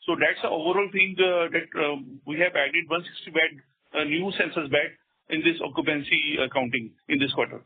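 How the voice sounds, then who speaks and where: A man's voice: a little high, fairly even intonation, a little fast, breathy edge. A man with an Indian accent giving figures as a company executive on an earnings call. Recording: muffled radio-like phone line.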